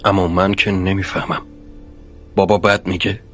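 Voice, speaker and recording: A deep-voiced, troubled young husband. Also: male voice, little pitch movement. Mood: frustrated. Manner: pleading, frustrated, later hushed. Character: troubled young married man, torn between family and wife. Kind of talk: Persian drama dubbing. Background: music score.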